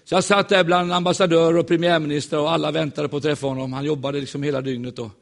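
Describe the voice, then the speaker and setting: Lively man preaching with jokes. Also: a little high, vocal fry. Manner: lively, jokey, acts out voices in stories. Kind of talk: humorous sermon storytelling. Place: church.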